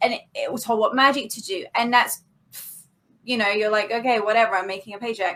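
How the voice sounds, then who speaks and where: Fairly even intonation and a fairly quick pace from a woman pitched fairly high. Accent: American. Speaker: magician and illusionist. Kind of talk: casual podcast interview. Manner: halting, many false starts.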